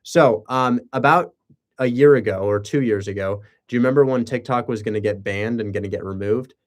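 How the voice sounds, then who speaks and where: A man's voice: lowish voice, brisk. A man chatting casually on a livestream, rambling with sarcastic asides and rhetorical questions. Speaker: live streamer and real estate wholesaler.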